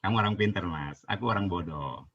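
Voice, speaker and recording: A man's voice: sits low, fairly quick, slightly rough, dull audio. A man in a heated live debate who insists on being heard and repeats his words over and over. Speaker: debate opponent on a live stream.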